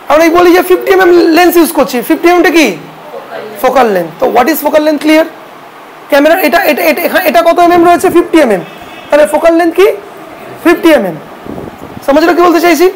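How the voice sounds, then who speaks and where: High-voiced woman teaching a class. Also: a little fast, pauses often, a little hiss or hum, rough recording. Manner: asks the class questions and answers them herself. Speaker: photography teacher. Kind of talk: classroom lecture.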